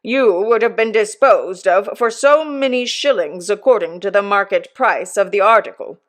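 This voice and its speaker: A woman voicing a pompous, self-satisfied older uncle who lectures slowly and emphatically. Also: medium pitch, fairly bright tone, close to an everyday voice.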